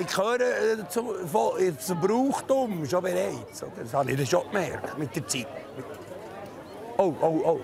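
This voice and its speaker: Over crowd noise in the background, a man talks at a high pitch with very wide pitch swings. His pace is fairly slow, with long, frequent pauses. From Interlaken, Switzerland. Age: 60s. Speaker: rock musician. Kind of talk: documentary interview answer. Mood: relaxed, wry. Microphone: lapel.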